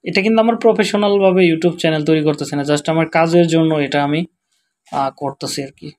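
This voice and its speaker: A tired man with a Bangladeshi accent, speaking quietly and slowly as he walks through a screen-share tutorial. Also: on the high side, steady tone, a little hiss or hum. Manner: quiet, slow, tired-sounding talk. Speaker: web developer teaching SEO.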